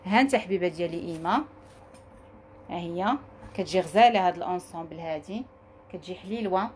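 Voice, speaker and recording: A woman with a Moroccan accent giving a live sales pitch from her jewelry shop, coaxing viewers and repeating herself as she talks to her staff. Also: quick pace, slight background noise. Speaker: jewelry seller.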